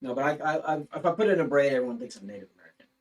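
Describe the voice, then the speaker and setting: A man's voice: medium pitch, expressive, racing. Male guest, playful rambling banter, distant mic, faint hum behind. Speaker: guest co-host. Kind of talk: casual livestream chat. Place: indoors at a fish rescue.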